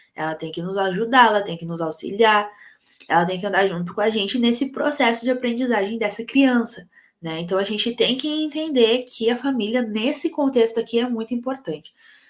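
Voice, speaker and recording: Speaking at a fairly quick pace, a woman has a fairly high pitch. Her intonation is lively. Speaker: teacher. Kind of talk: online class lecture. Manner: animated.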